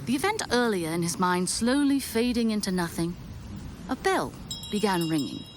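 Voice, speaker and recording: A woman narrating an audio drama as a storyteller, with theatrical, deliberate phrasing. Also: on the high side, background noise.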